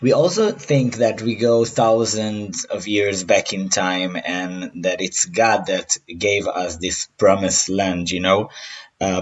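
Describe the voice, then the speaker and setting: A man hosts a podcast and interviews his student in a friendly way. His voice sits a little low, and the sound is dull and lo-fi. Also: husky. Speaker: podcast host and Hebrew teacher.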